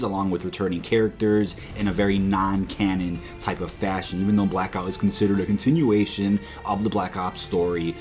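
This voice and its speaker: A man with a deep voice speaks as an online gaming news host. He addresses viewers informally and lays out opinions with emphasis. Light music plays behind him. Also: darkish tone. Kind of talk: informal video commentary to viewers. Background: background music.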